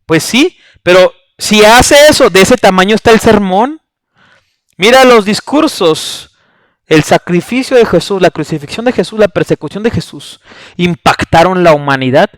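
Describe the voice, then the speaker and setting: A man's voice: high voice, lively intonation, normal speed, no echo. A man delivering a blunt, scornful, preachy monologue as a channel host, cursing and tagging his points with rhetorical questions.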